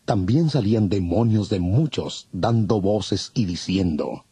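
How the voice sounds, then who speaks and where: A man narrating a dramatized audio Bible in a measured, formal way. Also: lowish voice, expressive, dark tone, slightly rough, no echo.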